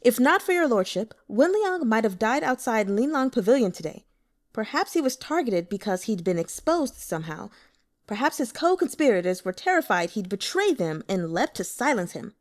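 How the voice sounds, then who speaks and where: A woman's voice: on the high side, big pitch swings, moderate pace. A woman voicing an earnest, deferential male official subordinate who reports formally to his lord.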